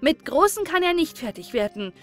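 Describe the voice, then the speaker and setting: A woman's voice: high voice, very animated, normal speed, voice pushed up. A woman voicing a streetwise, cheeky little boy who talks in a scolding, self-important way, over faint music. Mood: bossy.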